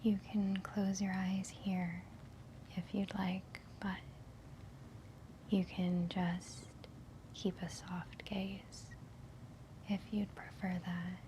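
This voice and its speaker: Slow, whispering woman guiding meditation. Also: mid-range voice, level tone, noisy background. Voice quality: soft, breathy whisper. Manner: gentle, unhurried, soothing instruction with long pauses. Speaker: guided meditation host. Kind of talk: whispered, soft guided meditation.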